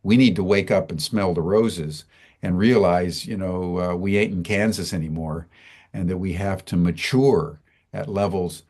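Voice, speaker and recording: Low-ish guy hosting a video call chat, slow and halting, keeps saying uh. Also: darkish tone. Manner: halting, many "uh" fillers and restarts. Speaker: host. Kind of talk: slow, hesitant interview talk.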